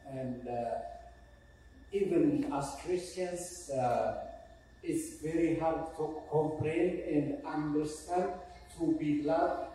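A man from Ethiopia with an Ethiopian accent, preaching a sermon as a guest pastor, halting and pausing often, repeating key phrases. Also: a little high, warm tone, slight background noise. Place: church sanctuary. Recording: echoey church hall, mic at a distance.

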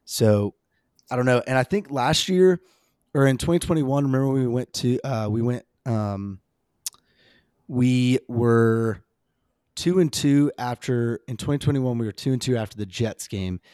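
A man with a slightly hoarse voice hosting a casual, rambling, emphatic fan talk on a sports podcast. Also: mid-range voice, measured pace, darkish tone, dry recording, clean studio sound.

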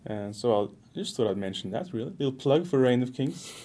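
A man's voice: mid-range voice, expressive, fairly quick, warm tone. A man co-hosting a podcast in English, chatty and full of restarts, laughing often. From Norway. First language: Norwegian. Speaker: podcast co-host. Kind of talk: casual chat.

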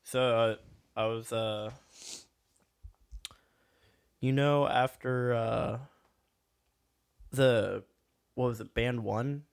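A man's voice: medium pitch, steady tone, slow, creaky, clean tone. A young man guest on a podcast, telling a story hesitantly with many fillers. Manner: hesitant, many ums and uhs. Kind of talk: casual podcast banter.

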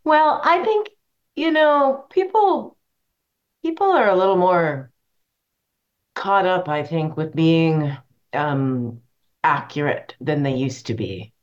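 A woman's voice: sits low, slow pace, long pauses. A woman guesting on a podcast, chatting in a rambling way with many fillers. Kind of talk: casual chat. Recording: dull lo-fi sound.

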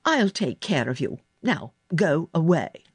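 A woman's voice: mid-range voice, big pitch swings, takes it slowly, breathy edge, no echo, voice pushed up, full character voice. A woman voicing a sickly, spoiled ten-year-old boy, cross and demanding, in a storybook reading. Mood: grand, imperious. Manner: cross, demanding, self-pitying.

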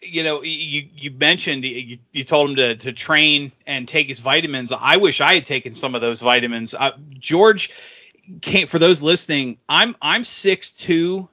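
A man interviewing a guest in casual chat, halting and often restarting his sentences. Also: a little high, sharp tone, lo-fi sound.

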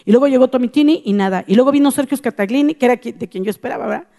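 A woman's voice: a little high, racing, gravelly, warm tone. A woman pastor giving an earnest testimony in a sermon, telling her story and repeating phrases for emphasis. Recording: long hall reverb.

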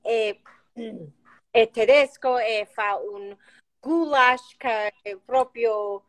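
A woman with a higher-pitched voice speaks Italian with an American English accent. She goes slowly and haltingly as an interview guest, hunting for words and sometimes switching to English. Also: rough recording. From United States. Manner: halting, searches for words in non-fluent Italian. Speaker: guest, chef and cookbook author.

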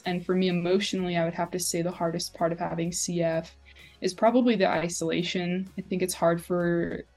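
Give me a woman in her twenties with a flat, low-ish voice, speaking earnestly. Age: 20s. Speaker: patient advocate. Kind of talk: testimonial interview.

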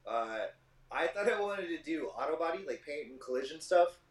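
A man's voice: a little high, lively intonation, normal speed, far from the mic. A man in his thirties from Michigan, a shop owner guest telling long, rambling stories in a casual podcast chat. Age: 30s. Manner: talkative, rambling storyteller. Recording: roomy, off-mic.

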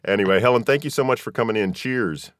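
An American man hosting a podcast interview, chatty and quick to laugh, often pausing on fillers. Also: fairly low pitch, a little hiss or hum. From United States. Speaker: podcast host. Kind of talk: casual interview chat.

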